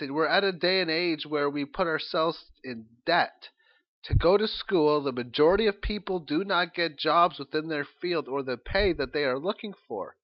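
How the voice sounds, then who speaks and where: A man with a fairly high voice talks through his opinions in an informal solo audio log. His delivery is halting and rambling, as if thinking aloud. The recording is dull and lo-fi. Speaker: host of an economics audio log. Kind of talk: informal spoken monologue, opinion commentary.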